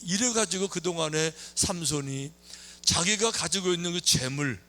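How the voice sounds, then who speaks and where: A man preaching a sermon as a pastor, telling stories in a lively way, acting out the characters' lines and tossing questions at the congregation. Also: on the high side, moderate pace. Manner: lively storytelling, acting out quoted lines, chatty asides to the congregation. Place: church sanctuary.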